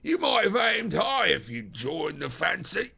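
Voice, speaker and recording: Loud, gruff old-school prizefighter porter. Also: male voice, high-pitched, big pitch swings, unhurried, voice pushed up, exaggerated voice. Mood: roaring delight. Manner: working-class dialect, stubborn, loud. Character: gruff distrustful prizefighter porter, short deep-chested man.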